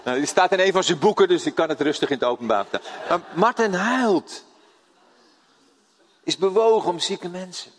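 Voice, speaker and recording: An older man from the Netherlands gives a sermon in a high-pitched voice at normal speed, narrating stories in a lively way and asking the congregation questions. The audio has a long hall reverb.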